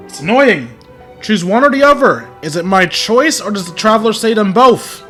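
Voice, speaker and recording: High-voiced, animated male gamer. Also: moderate pace, faint music behind. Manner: playful, opinionated, repeats himself. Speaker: gaming YouTuber. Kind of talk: casual playthrough commentary.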